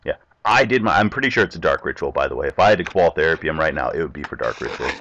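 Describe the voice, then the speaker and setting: A man's voice: rumbling low, rapid-fire, a little hiss or hum. A young man casually commentating his online card game, chatty and talking to his opponent. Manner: chatty, animated, talks to himself and the opponent. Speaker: gameplay commentator. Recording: dull lo-fi recording.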